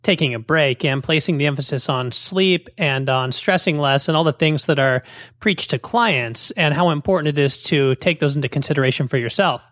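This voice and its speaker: A man's voice: on the high side, moderate pace, a bit bright, no room sound, clean studio sound. A man co-hosting a podcast, joking with a sarcastic edge. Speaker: podcast co-host. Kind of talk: podcast chat.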